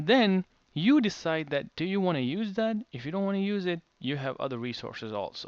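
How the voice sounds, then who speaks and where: A man with a non-native accent at a moderate pace, very wide pitch swings and a quiet background. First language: not English. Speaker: IT trainer. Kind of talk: tutorial. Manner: casual, conversational.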